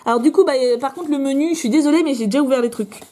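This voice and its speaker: A young woman chatting excitedly as she opens fan mail at home, with many fillers. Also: high voice, rapid-fire. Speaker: vlogger opening fan mail. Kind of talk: casual unboxing chat.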